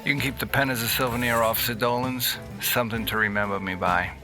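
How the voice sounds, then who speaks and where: A man's voice: medium pitch, steady tone, quick pace, natural voice. An actor playing a street-wise, guarded hacker in his thirties, fresh out of prison, in an audio drama with a wry delivery. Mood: guarded, dry. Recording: music behind the voice.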